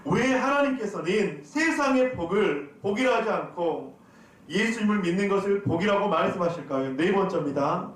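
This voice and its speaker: A man's voice: high-pitched, animated, moderate pace. A man preaching a sermon as pastor, putting questions to the congregation and answering them. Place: church sanctuary. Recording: very echoey hall, from a distance.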